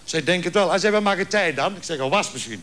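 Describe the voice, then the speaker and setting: Brief: male joke teller, high-pitched, acts out every character in his stories. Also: fast. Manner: lively storyteller acting out dialogue. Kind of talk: stand-up joke telling.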